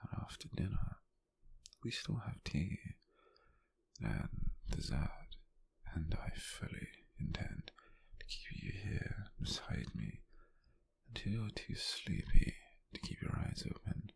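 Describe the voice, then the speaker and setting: A British man playing a gentle, doting, softly teasing lover in an intimate, breathy, gravelly ASMR whisper, speaking slowly and soothingly. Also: sits low, big pitch swings, exaggerated voice. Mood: tender, teasing. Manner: slow, soothing, with soft pauses.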